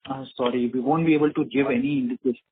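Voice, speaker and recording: A man with an Indian accent, speaking formally and in measured explanations as an executive answering questions on an earnings call. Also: medium pitch, steady tone, a little hiss or hum. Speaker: company executive answering investors. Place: conference call. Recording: muffled narrowband phone line, slightly rough.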